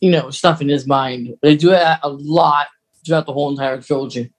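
Casual podcast co-host with a mid-pitched voice. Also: fairly even intonation, a little fast. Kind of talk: casual fan discussion.

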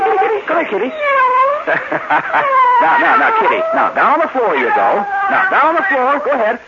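A brash American game show host in a fifties radio drama, with a high voice that leaps all over the place. He is glib, excitable and showy. The old recording is muffled and noisy. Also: heavily acted. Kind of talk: 1950s radio drama acting.

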